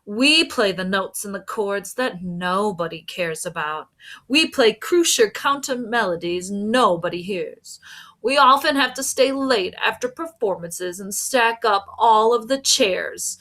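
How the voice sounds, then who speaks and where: Bitter, overlooked viola character for a storybook, read by a woman. Slow, sorry-for-itself complaint. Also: mid-range voice, animated, fairly bright tone. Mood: bitter, self-pitying. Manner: complaining, aggrieved. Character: bitter, neglected, self-pitying violas.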